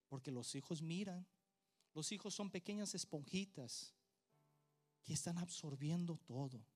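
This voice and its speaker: A male pastor delivers a sermon straight to his congregation. He hammers his points home by repeating phrases, and his pitch runs high. Faint music plays softly under his voice. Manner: emphatic preaching, direct address, repeated phrases. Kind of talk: sermon with prayer.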